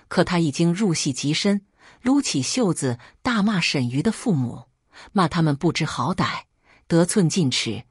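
A woman narrating a first-person family drama in even, dramatic storytelling. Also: sits low, breathy edge, dry recording, studio quality.

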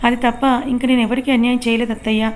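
A woman's voice: a little high, flat delivery, fast, lightly acted. A woman voicing a distraught, angry young married woman in a read-aloud story, pleading and confrontational.

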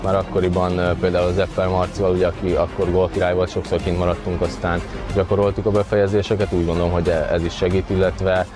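A man's voice: low voice, level tone. A man in his twenties, a footballer, giving hesitant interview answers with repeated words, close on a lapel mic. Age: 20s. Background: music.

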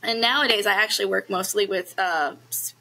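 A young woman whose first language is Cantonese, a speech language pathologist, answering interview questions over a video call with a headset, relaxed and full of ums. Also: medium pitch, brisk, poor audio. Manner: relaxed, frequent ums, laughs easily. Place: home room, indoors.

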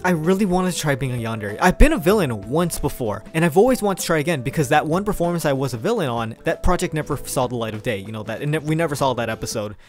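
A man's voice: fairly high pitch, fast talker, hardly any pauses. A young man telling a casual storytime in a chatty, slangy, rambling way as a video creator. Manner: animated, chuckling, informal slangy rambling. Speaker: video creator, amateur voice actor.

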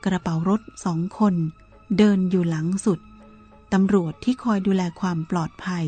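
A woman reading a Buddhist novel aloud in a calm, measured storytelling manner, with soft music behind her. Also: on the low side, slightly rough. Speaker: narrator.

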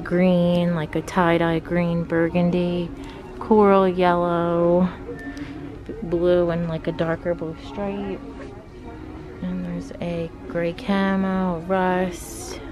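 Filming on a handheld phone, a young fashion vlogger narrates a casual shop-with-me video in a clothing store, filling her speech with "like." She has a lowish voice, and the audio is poor, with background music running over her.

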